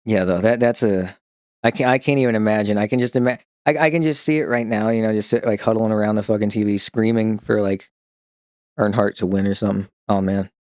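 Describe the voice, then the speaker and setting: A man streaming in a casual chat, telling rambling, profane stories with frequent restarts and chuckling along, who picks up a slight New York twang when he gets excited. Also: fairly low pitch, a little fast, dry recording, clean studio sound. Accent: slight New York-style twang when excited.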